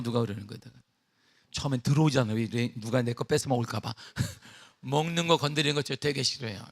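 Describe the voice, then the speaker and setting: A middle-aged man preaching a sermon as pastor, emphatic with call-and-response questions, then easing into a relaxed personal story. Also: medium pitch, creaky. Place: church sanctuary.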